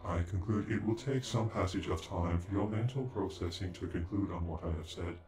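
A man's voice: low-pitched, normal speed, darkish tone. A man playing an ancient alien android in a sci-fi ASMR roleplay, speaking in formal, stilted, condescending phrases with glitchy robotic stutters. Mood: commanding. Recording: echoing, with music behind.

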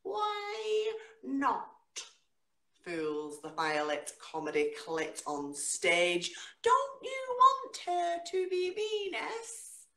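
A middle-aged woman with a Northern English accent, a guest poet who performs her spoken word and chats over a video call from home, with a lively, dramatic delivery. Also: very slow, creaky. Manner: lively, dramatic delivery with sudden jumps in pitch. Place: home room, indoors. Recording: echoey room on a video call.

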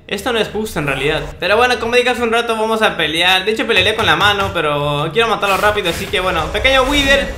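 A young man with a Peruvian Spanish accent giving casual, cocky, mock-boastful commentary on a video game. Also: high voice. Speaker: gaming video host. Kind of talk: casual Minecraft gameplay commentary. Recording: roomy sound with faint background noise.

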